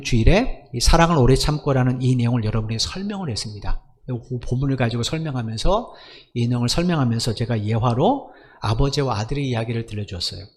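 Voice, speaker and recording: A male pastor preaching a Sunday sermon, emphatic, asking the congregation rhetorical questions. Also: mid-range voice.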